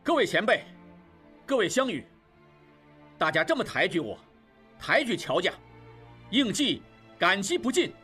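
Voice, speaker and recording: A man plays an earnest young merchant leader in an audio drama, speaking with great feeling to a crowd. His voice is husky and moves widely in pitch. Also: sing-song, a little slow, long pauses, bright, forceful tone, soft background music, heavily acted. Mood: moved. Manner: earnest, heartfelt.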